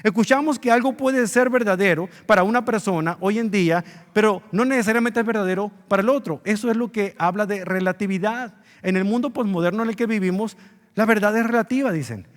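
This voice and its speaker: High-voiced preacher in a reverberant church. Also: male voice, brisk, hardly any pauses. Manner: earnest preaching, rising emphasis on key words. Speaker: pastor. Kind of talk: sermon.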